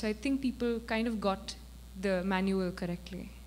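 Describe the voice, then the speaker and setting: Faint music plays in the background. A woman speaks with fairly even intonation. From India. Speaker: panelist, photo walk organizer; panelist. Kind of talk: panel discussion. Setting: stage with audience. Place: hall. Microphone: handheld.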